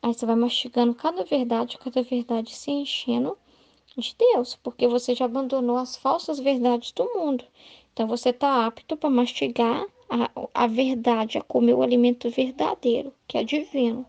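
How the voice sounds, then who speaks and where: A Brazilian woman leads a devotional Catholic study in an earnest, explaining way. Her voice is high with a gravelly edge. The recording is close and dry. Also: moderate pace, darkish tone, no room sound, highs cut off. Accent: Brazilian Portuguese. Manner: earnest, explanatory, frequent "né?" and "entendeu?". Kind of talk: devotional teaching talk.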